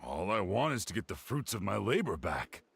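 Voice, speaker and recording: An actor playing a weary older scholar and uncle in a video game, speaking in an earnest, dejected way. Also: male voice, lowish voice, big pitch swings, moderate pace, gravelly, a bit bright, a little hiss or hum, full character voice.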